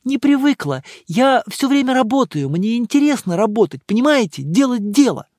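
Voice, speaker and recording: A man's voice: very high-pitched, very animated, normal speed, a little mellow, no room sound, clean studio sound, pitched above the performer's own voice, full character voice. A man voicing a stiff lonely woman secretary. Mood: upset. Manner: clipped, terse listing of facts. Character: reserved 36-year-old female secretary, stiff and lonely.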